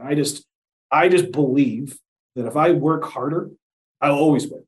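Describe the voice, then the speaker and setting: With an American accent, a man talks at a fairly high pitch. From New York. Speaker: real estate broker. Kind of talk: interview. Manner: animated.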